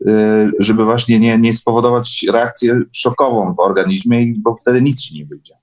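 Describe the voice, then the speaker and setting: A man talking casually as a guest in an online meeting, halting and repeating his words. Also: medium pitch, fairly even intonation.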